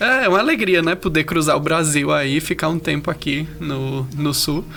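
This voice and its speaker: With a northeastern Brazilian accent, a man speaks at a moderate pace in a fairly high pitch over noticeable background noise. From Brazil, Ceará (Crato). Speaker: psychoanalyst. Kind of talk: podcast interview.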